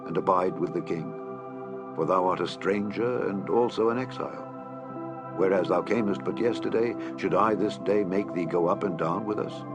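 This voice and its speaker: Male narrator, low voice, solemn measured Bible reading, music bed underneath. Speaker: Bible reader. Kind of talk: scripture reading. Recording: reading over clear background music.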